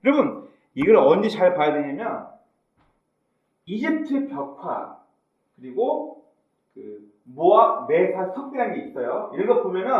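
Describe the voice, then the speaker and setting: Man preaching, high lively voice, acts out characters, echoey church hall, distant dull mic. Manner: animated storytelling, acting out mocking voices and dialogue. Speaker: pastor. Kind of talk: sermon. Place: church sanctuary.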